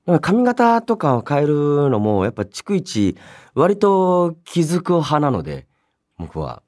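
Animated man hosting a radio show. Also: a little high, unhurried. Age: 30s. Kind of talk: casual solo radio talk, reading listener mail. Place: radio studio. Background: background music.

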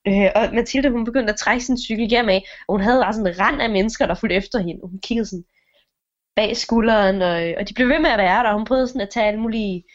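A young woman telling an improvised story to a friend, acting out the characters' lines as she goes. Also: mid-range voice. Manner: animated, acts out the characters' lines. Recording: dull lo-fi recording.

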